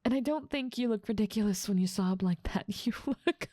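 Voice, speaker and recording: A woman's voice: medium pitch, brisk, dark tone, dry recording, studio quality, close to an everyday voice. A woman playing a haughty, dominant demon lord who mocks and teases the listener in a scripted ASMR roleplay. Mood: teasing, amused. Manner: dominant, amused, mocking, theatrical. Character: haughty, teasing female demon lord ruling part of hell.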